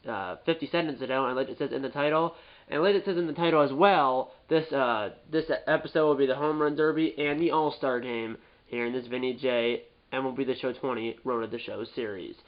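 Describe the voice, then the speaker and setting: A man's voice: mid-range voice, a little fast, dull audio. A man with a stuffed-up nose from a cold, giving casual, rambling gameplay commentary and often repeating and correcting himself. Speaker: gaming YouTuber.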